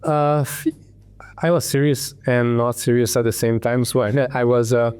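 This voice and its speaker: A man from Hungary in his thirties, a tech entrepreneur telling his story in an interview, halting with many ums and restarts. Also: medium pitch, steady tone, a little mellow, clean tone, no room sound, faint music behind.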